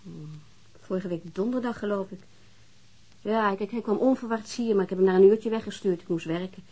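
A woman's voice: mid-range voice, brisk, dark tone, breathy edge, close to an everyday voice, low-quality recording. An actress playing a weary, defensive divorced mother, answering questions hesitantly in a naturalistic radio drama.

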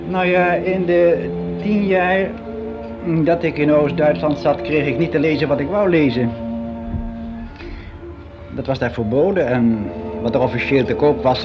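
A man's voice: medium pitch, muffled recording, close to an everyday voice. An actor playing a lonely, self-deprecating middle-aged gay man, confiding hesitantly in a naturalistic radio drama monologue. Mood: weary, complaining. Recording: very noisy radio play recording.

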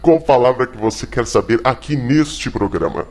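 A man with a Brazilian accent hosting a comedy call-in lesson as a mock teacher, halting and stammering over his explanations. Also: mid-range voice, lively intonation, a little mellow. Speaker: host playing a mock English teacher.

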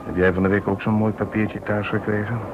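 A man's voice: fairly low pitch, little pitch movement, fairly quick, lightly acted. An actor playing an indignant, defiant man challenging his companion in a Dutch radio play. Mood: sarcastic, challenging. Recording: dull, noisy old radio recording.

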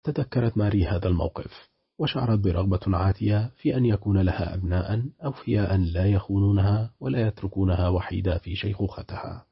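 A man narrating an audiobook in a steady, measured reading. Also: deep voice, breathy edge, no echo, dull audio.

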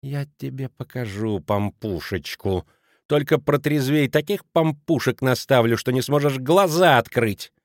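A man's voice: a little high, unhurried, hardly any pauses, no room sound, clean studio sound, pitched above the performer's own voice, lightly acted. A man voicing a stout, domineering wife who hisses cold threats. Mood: menacing.

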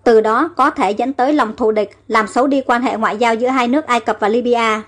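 A woman narrating an audiobook story, reading every character's lines herself in a steady voice. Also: a little high, a little fast, faint music behind.

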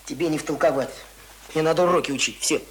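An actor playing an earnest, know-it-all schoolboy in a radio play, speaking in a brisk, instructive, colloquial way. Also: male voice, on the high side, heavy background noise, natural voice. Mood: impatient.

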